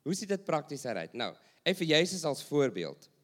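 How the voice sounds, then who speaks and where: A man's voice: a little high, very animated, moderate pace, a bit bright. A man preaching a sermon, asking rhetorical questions and repeating phrases for emphasis.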